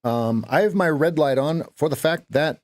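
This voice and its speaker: A man's voice: a little high, moderate pace, dry recording. A man hosting a live day-trading stream, chatting with viewers and repeating phrases as he watches the market.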